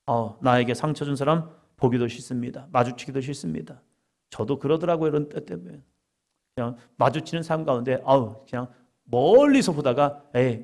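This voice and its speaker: A man's voice: mid-range voice, vocal fry, a little mellow. A middle-aged man preaching a conversational sermon as a pastor, acting out quoted inner voices as he goes.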